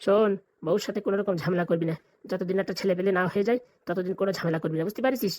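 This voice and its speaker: Woman playing a fast, blunt old village grandpa. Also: medium pitch, darkish tone, close to an everyday voice. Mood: stern, bossy. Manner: scolding, blunt, colloquial. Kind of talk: comic cartoon dialogue.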